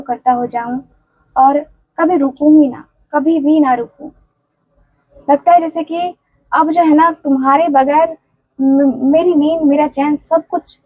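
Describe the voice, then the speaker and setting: A woman with a high voice speaks as a tarot reader, relaying a love message in the first person. She talks in an earnest, pleading way, circling back over the same phrases with casual fillers. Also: darkish tone, low-quality recording. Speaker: tarot and candle wax reader.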